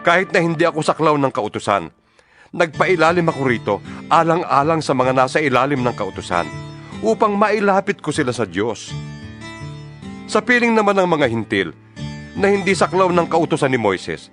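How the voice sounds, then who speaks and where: A man's voice: fairly high pitch, sing-song, normal speed, a bit bright. A Filipino-accented man playing an earnest apostle in a dramatized scripture reading, speaking in an emphatic, oratorical way. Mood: fervent, resolute. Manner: oratorical, emphatic rhetorical questioning. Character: Paul, earnest impassioned male apostle writing to his church. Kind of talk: dramatized audio Bible reading in Tagalog. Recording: studio reading over clear background music. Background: instrumental music.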